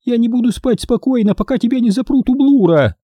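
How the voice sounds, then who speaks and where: A man's voice: very high-pitched, animated, a little fast, dark tone, slightly rough, no room sound, studio quality, pitched above the performer's own voice, full character voice. A man doing a harsh, sour old grandmother. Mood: grim. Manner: harsh and cutting.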